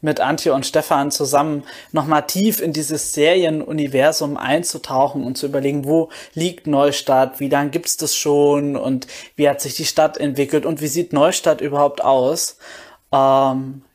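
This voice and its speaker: A man's voice: a little high, fairly even intonation, moderate pace. A man speaking casually in a voice message with greetings for a podcast. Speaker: podcast guest sending greetings.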